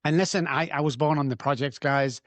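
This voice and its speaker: A man's voice: on the high side, fairly even intonation, fairly quick, a bit bright, no echo. A man in his sixties from Manchester with a northern English accent, chatting as a podcast guest in a blunt, joking, cocky way. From England. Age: 60s. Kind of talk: casual podcast chat.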